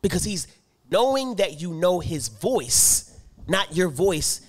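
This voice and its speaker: A man co-hosting a laid-back theology podcast, reading scripture and then jumping in with his own commentary. His voice swings widely in pitch and climbs into loud, emphatic, preacher-like bursts. He laughs easily and talks in a relaxed, conversational way. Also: slow pace. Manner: reads scripture aloud then riffs on it. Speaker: podcast co-host. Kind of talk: casual theology podcast talk.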